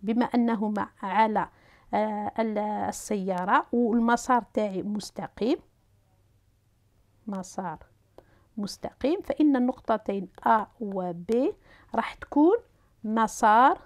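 A woman with an Algerian Arabic accent teaching a physics lesson, talking students through each step as she writes and draws, pausing with fillers and restarting. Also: mid-range voice.

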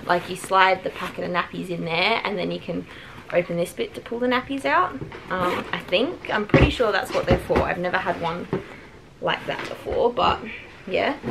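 A woman chatting casually at home as she reviews a product, with children nearby. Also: lowish voice. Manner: chatty and relaxed, with many "like" fillers. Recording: clearly noisy home recording.

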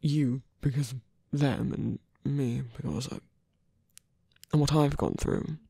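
A man playing a guarded, lovestruck villain in an ASMR roleplay, halting and tender, with a breathy voice that often drops to a whisper. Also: medium pitch, mellow, no room sound, clean studio sound, exaggerated voice. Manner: halting, hesitant delivery with pauses. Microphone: close dry microphone.

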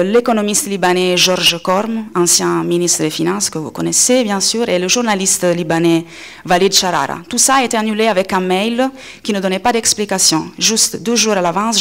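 A woman in her thirties with an Italian accent, a native Italian speaker, giving a semi-improvised conference talk with hesitant pauses and self-corrections. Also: mid-range voice, vocal fry. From Italy. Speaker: coordinator of a media organisation, panel speaker. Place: indoor conference panel table. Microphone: gooseneck table microphone, close.

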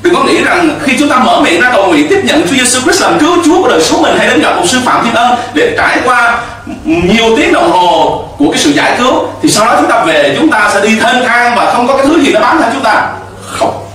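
A man's voice: extremely high pitch, very animated, brisk, a bit bright, very echoey, distant mic. A middle-aged man preaching a sermon from a church pulpit into a handheld mic, emphatic, with call-and-response to the congregation. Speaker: pastor. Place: church stage with pulpit and cross.

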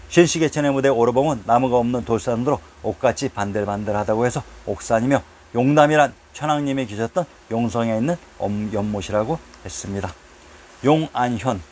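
A man reading scripted history narration in a steady voice, listing place names one after another. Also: mid-range voice. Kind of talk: scripted narration read from a text.

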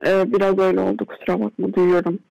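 A woman's voice: mid-range voice, level tone, fast, gravelly, dry recording, dull audio. A young woman moderating an interview on a video call and relaying audience questions. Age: young adult. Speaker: interviewer, editor. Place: indoor room at home, video call. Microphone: video call microphone.

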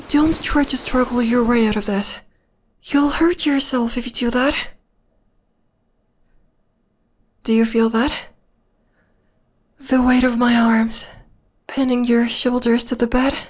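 A woman playing an obsessed, possessive young vampire stalker in an intimate, breathy, half-whispered ASMR roleplay. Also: fairly high pitch, darkish tone. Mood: possessive, menacing.

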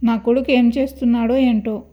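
A woman's voice: a little high, steady tone, brisk, muffled recording, natural voice. A woman voicing a worried village farmer father in a told horror story.

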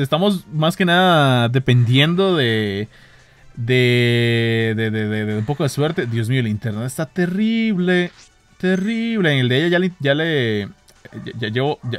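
A man with a Costa Rican Spanish accent, giving casual running commentary as he plays a phone game outdoors early in the morning. He talks excitably, swears, and laughs at himself. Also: mid-range voice. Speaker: gaming vlogger. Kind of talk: casual commentary while playing. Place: outdoors walking near home in the early morning.

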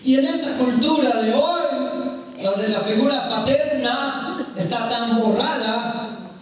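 A man's voice: very high voice, slow pace, a bit bright. A man with a Colombian accent, a priest giving an emphatic, storytelling charismatic sermon in a large hall with an audience. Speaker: Catholic priest, preacher. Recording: echoey hall from far off, crowd.

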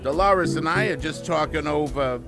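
A man's voice: fairly high pitch, moderate pace, vocal fry, over music. A man playing a glib, mocking two-timing small-time hood in a noir radio drama. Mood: smug, evasive.

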